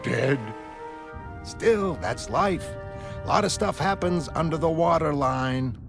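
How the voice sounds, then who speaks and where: A man playing a gruff, chatty older newsstand vendor with street talk. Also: a little high, slow pace. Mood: grumbling. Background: music.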